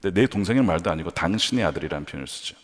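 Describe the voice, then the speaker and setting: A male pastor delivering a Friday-night sermon with a lively, sweeping delivery. His pitch moves a lot, climbing on emphatic lines and falling soft on conclusions. The sanctuary adds a long, hanging reverb to every phrase. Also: racing. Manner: animated preaching, rising to emphatic peaks then dropping low. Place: large church sanctuary.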